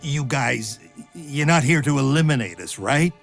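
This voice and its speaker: A man's voice: mid-range voice, animated, unhurried, vocal fry, faint music behind. A man acting a panicky, talkative, cowardly mercenary in a video game, frantic and wary. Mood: wary, rambling.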